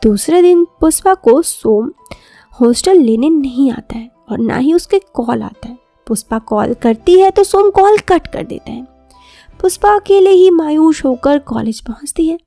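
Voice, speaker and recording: High, creaky, mellow female storyteller. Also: expressive, measured pace, no room sound, faint music behind. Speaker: storyteller, podcast host. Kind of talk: scripted romantic story narration.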